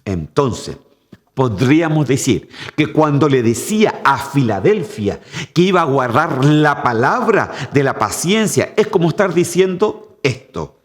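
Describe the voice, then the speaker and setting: A man's voice: on the high side, very animated, unhurried. A male pastor preaching a sermon, emphatic and direct, often calling his listeners "brother". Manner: emphatic, addresses the congregation as "hermano". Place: church. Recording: long church reverb.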